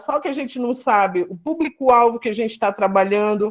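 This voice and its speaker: A woman is speaking. Her pitch swings very widely. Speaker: university geography professor. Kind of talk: lecture. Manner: slow.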